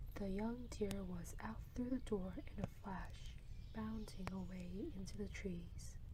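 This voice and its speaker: Soft-spoken and at a very slow pace, the voice comes through over noticeable background noise. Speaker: ASMR storyteller. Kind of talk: reading aloud.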